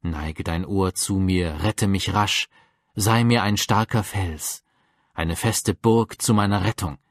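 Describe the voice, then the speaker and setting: A man reading psalms aloud for a Bible audiobook, measured and reverent. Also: low-pitched, no echo, clean studio sound. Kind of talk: solemn scripture reading.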